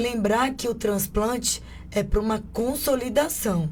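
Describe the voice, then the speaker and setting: Speaking at a very slow pace, a woman with a fairly high pitch is heard in audible room echo. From Brazil, Salvador, Bahia. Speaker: hematologist. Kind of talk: radio interview.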